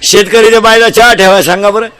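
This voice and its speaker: Loud, bright-voiced kirtan preacher man. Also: high voice, fairly even intonation, fast, clear, resonant tone. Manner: loud, quizzing children in the crowd, mocking. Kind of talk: humorous devotional sermon.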